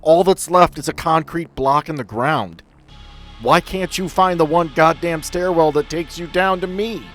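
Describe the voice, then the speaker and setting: A man's voice: a little high, unhurried, fairly bright tone, soft background music, voice pushed up. A man playing a frantic voice trapped below. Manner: pleading, frantic. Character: panicked trapped man calling on a ghostly radio.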